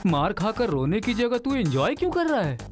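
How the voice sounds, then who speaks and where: A man's voice: high-pitched, big pitch swings, normal speed, big-room sound, over music. A man playing a weary jailed father. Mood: scolding. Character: jailed middle-aged father, weary storyteller. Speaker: prisoner recounting his son's past. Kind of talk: low-budget film acting.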